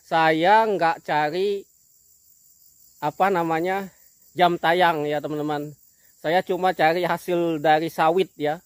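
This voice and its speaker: Farmer-vlogger, male, slightly high voice, one sound mispronounced, dry close sound, apologetic and repetitive. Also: fairly even intonation, smooth, no echo. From Kalimantan, Indonesia. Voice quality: speech impediment, cannot pronounce one sound. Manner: apologetic, repetitive, fills pauses with "nah". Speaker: oil palm farmer and vlogger. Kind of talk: casual talk to camera. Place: outdoors in an oil palm plantation.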